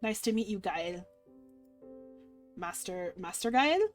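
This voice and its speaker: A woman's voice: medium pitch, lively intonation, slow pace. A woman voicing a wary, self-deprecating, worn-out human in a visual novel, casual and hesitant, over music. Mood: tired, guarded. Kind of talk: visual novel character reading. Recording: music playing underneath.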